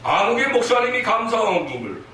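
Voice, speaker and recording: A man's voice: very high-pitched, big pitch swings, fairly quick, sharp tone. A man preaching a sermon at a church prayer meeting, earnest and emphatic, with rhetorical questions to the congregation. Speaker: missionary preacher. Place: church hall. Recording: echoey hall from far off, faint noise.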